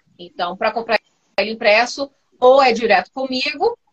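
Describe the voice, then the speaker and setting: The voice belongs to a woman. Her pitch is fairly high. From Brazil, Goiânia. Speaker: author. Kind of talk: interview on a live stream. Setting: Instagram live video call.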